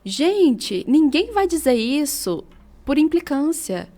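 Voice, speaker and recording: Woman, Brazilian Portuguese accent, high voice, earnest and emphatic interview guest. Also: sing-song, warm tone. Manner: emphatic, earnest, quick to agree. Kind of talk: casual interview chat.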